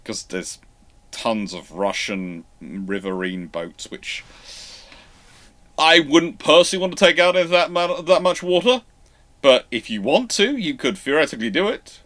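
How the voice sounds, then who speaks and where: A man hosting a live question-and-answer session, answering off the cuff in a halting way, often restarting his sentences as he thinks aloud. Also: a little high, a bit bright. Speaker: host of naval history live Q&A.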